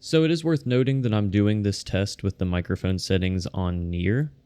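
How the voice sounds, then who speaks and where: A man with a somewhat low voice talks through a product review from his home desk. He is easygoing and conversational, often downplaying his own know-how. He sits close to the microphone in a small corner setup. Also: normal speed, smooth. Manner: relaxed, conversational, self-deprecating. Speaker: tech reviewer. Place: home desk in a corner facing two walls. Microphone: close condenser desk mic.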